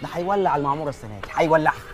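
An actor plays an easygoing man caught up in a comic scheme in an Egyptian film. He speaks very fast, and his voice rises and falls a lot. Film music plays in the background. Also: fairly high pitch, expressive, lightly acted.

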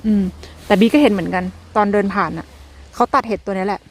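A young adult woman chatting casually to her viewers while foraging outdoors in a forest, with excited exclamations. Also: mid-range voice, fast. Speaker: vlogger.

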